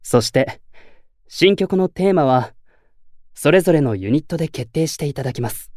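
A man's voice: fairly high pitch, lively intonation, a little mellow, no echo, studio quality, natural voice. Polite, composed young idol leader played by a man. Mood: composed, earnest. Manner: polite, measured formal announcing. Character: earnest, composed young male station-staff idol leader. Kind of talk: Japanese audio drama acting.

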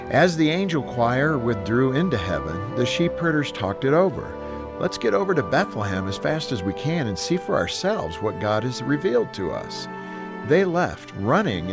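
Man with a lively, expressive devotional delivery. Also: medium pitch, creaky. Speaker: radio show host. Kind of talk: devotional talk and scripture reading.

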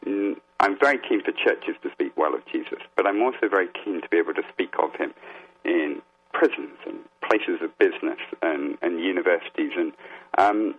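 A man with a very low, clean and resonant voice talks as a guest being interviewed. He is earnest and reflective, explaining carefully and pausing to find his phrasing. The sound is dull and muffled, like a phone line. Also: expressive.

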